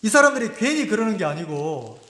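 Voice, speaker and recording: A man's voice: sits high, very animated, fairly quick, bright, forceful tone. A man preaching a Sunday sermon as pastor. He retells scripture in dramatic voices and asks his congregation questions. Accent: Korean, Gimhae area. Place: church sanctuary. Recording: roomy echo with long reverb.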